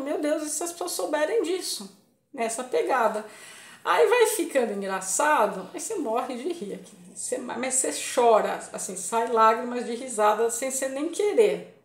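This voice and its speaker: A young woman reviewing a play on her book channel, animated and laughing, stumbling as she hunts for passages. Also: high voice. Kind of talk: casual book review chat. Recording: roomy echo.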